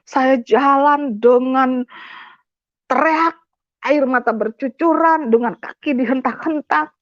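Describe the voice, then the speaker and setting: A woman's voice: sits high, slow pace, no echo, muffled recording. A woman from West Java giving an emotional personal testimony, speaking directly to her audience and mixing in English words. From West Java, Indonesia. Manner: tearful, impassioned storytelling, addresses the audience directly.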